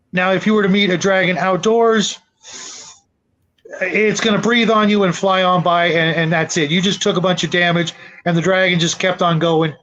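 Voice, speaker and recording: High-voiced man hosting, dull lo-fi audio. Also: a bit bright. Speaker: host of a tabletop gaming panel. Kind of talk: casual panel discussion.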